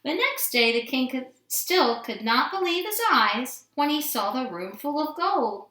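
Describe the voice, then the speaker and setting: Female children's storyteller, fairly high voice, expressive read-aloud, recorded in an echoey room. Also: unhurried. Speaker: storybook reader. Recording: roomy indoor echo.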